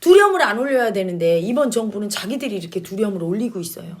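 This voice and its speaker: A woman's voice: mid-range voice, lively intonation, racing. A woman commentator giving blunt opinions, stressing her points by repeating key words and mixing casual and polite speech. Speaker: commentator answering questions.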